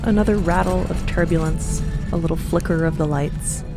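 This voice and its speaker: Low-voiced woman narrating. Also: moderate pace, poor audio. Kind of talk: scripted audio drama narration. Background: clear background music.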